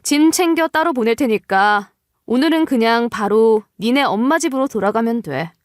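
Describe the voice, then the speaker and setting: A woman's voice: on the high side, expressive, normal speed, no room sound, studio quality, natural voice. A woman voicing a wronged young wife in a story, cold, curt and sarcastic. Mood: firm, dismissive.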